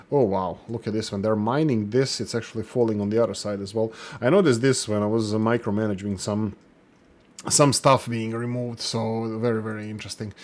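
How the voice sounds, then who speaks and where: Rambling male gameplay commentator from Croatia. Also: fairly low pitch. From Croatia (Slavonia). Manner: rambling, many fillers and restarts, self-deprecating. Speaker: gaming channel host. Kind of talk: casual let's play commentary.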